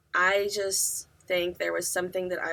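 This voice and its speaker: A woman talks with an American accent at a fairly slow pace. Her pitch is fairly low. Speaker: speech-language pathologist. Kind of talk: interview. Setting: studio.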